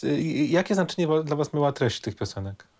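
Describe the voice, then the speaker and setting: Higher-voiced man, tentative interviewer. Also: very animated, darkish tone. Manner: halting, tentative, rephrasing. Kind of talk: interview questioning.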